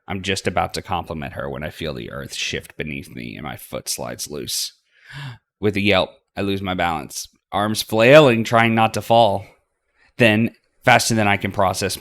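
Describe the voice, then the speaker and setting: A man narrating a story game aloud as a let's play host, expressive in his reading. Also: low-pitched.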